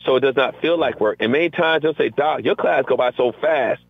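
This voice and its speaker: A man's voice: medium pitch, brisk, vocal fry, breathy edge, soft background music. A middle-aged male teacher speaking as an interview guest, talking energetically and acting out what he and his students say. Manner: energetic, acts out quotes from classroom exchanges. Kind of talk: conversational interview. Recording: tinny phone-line audio.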